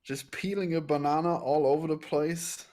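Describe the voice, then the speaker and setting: A man's voice: on the high side, steady tone, normal speed, warm tone. Dry-witted man co-hosting. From Austria. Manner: dry, brief replies with laughs. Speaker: podcast co-host. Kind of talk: casual podcast chat.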